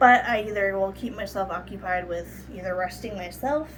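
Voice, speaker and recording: A woman talks at a moderate pace, and room echo is audible around her voice. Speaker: vlogger. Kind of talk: casual vlog talk to camera. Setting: apartment bedroom.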